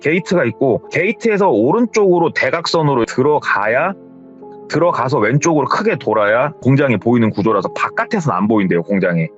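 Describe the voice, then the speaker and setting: A man retelling a scary story in a casual, lively way, full of acted-out quotes, in a slightly dull recording with faint music behind. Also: medium pitch, a little fast. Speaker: horror story narrator.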